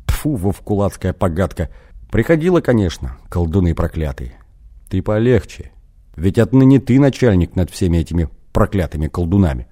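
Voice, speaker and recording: A man voicing a sly, sarcastic noblewoman with a husky voice, reading her lines in an audiobook. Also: low voice, very animated, moderate pace, warm tone. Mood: mocking. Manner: teasing, sarcastic. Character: sly husky female baroness, mocking.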